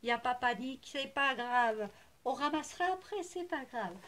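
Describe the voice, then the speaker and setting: A woman's voice: high-pitched, lively intonation, normal speed, fairly bright tone. A woman chatting casually to camera about her craft haul, hesitant with many fillers, gushing and repeating herself. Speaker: crafting vlogger showing a haul.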